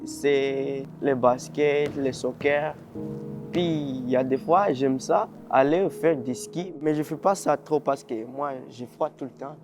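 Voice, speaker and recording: A man's voice: medium pitch, takes it slowly, over music. A fourteen-year-old boy from Congo talking casually and shyly in a documentary testimony. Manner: casual, slangy, shy. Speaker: interviewee.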